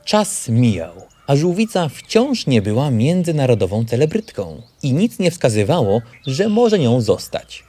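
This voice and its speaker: Lively-pitched male storyteller. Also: a little slow, few pauses. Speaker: narrator. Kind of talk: scripted children's story narration.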